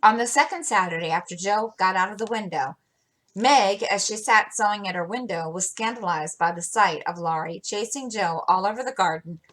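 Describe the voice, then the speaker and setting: A woman reading a classic novel aloud as a storyteller, with expressive delivery and occasional slips. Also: mid-range voice, moderate pace.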